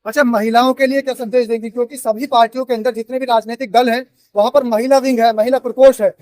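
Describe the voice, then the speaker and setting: A man interviewing a guest, asking brisk, probing questions. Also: extremely high pitch, steady tone, a little mellow, no room sound.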